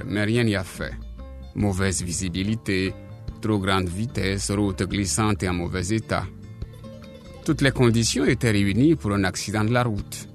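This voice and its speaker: Man, radio presenter, studio, scripted narration, measured, low voice. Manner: measured, explanatory.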